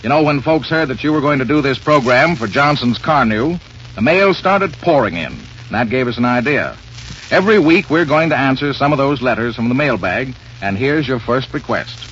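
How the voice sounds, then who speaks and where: A man announcing and reading sponsor lines on an old radio broadcast in a smooth, formal delivery. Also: mid-range voice, a bit bright. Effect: old radio broadcast sound. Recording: muffled old radio recording with faint hiss.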